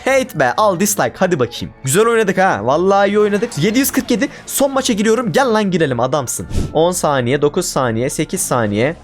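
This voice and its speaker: A man's voice: high-pitched, animated, fairly quick, hardly any pauses, faint music behind. A man giving casual commentary over his own gameplay, exasperated and ranting at his teammates. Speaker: gaming YouTuber.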